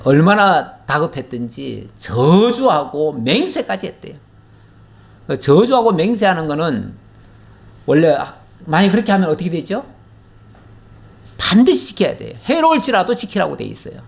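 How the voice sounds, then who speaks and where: A man preaches through a scripture passage in a relaxed, talkative manner. His voice sits on the higher side and swings widely in pitch. He reads the verses in a formal, archaic tone and then turns to his listeners with questions. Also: vocal fry. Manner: conversational, asks the listeners questions. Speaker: pastor. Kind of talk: Bible teaching sermon.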